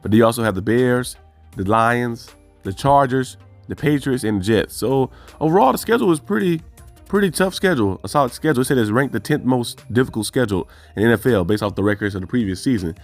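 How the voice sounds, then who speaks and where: With an animated, mid-range voice at a fairly quick pace, a man covers team news on his fan channel in casual solo commentary. He drifts, thinks aloud, and corrects himself, over soft background music.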